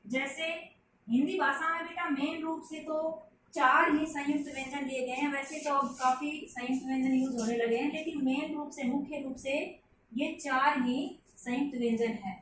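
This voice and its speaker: High-voiced woman teaching in an echoey room. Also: steady tone, normal speed, fairly bright tone. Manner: patient, repeats points, calls listeners child. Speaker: Hindi teacher. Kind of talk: classroom lesson explaining to children. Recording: very echoey room, mic at a distance, faint hiss.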